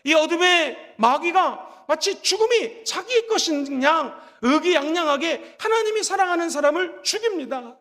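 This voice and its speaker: A man's voice: very high-pitched, fairly bright tone. A man preaching a sermon as pastor, with impassioned delivery that rises into calls of blessing. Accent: Korean. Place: church sanctuary. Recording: echoey church hall.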